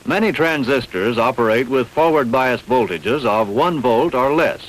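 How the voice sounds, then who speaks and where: Man narrating with lively intonation. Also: mid-range voice, slight background noise, low-quality recording. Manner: measured, didactic, carefully enunciated. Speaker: training film narrator. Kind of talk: scripted instructional narration.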